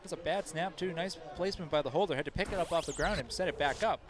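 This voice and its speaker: Crowd noise fills the background as this man talks fast through his color commentary on a hometown high school football game. He's talkative and analytical, and he keeps restarting sentences mid-thought.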